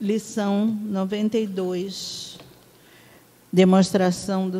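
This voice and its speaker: Over noticeable background noise, a woman speaks at a very slow pace with monotone, flat intonation. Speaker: spiritist study leader. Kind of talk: reading aloud. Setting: in-person public meeting.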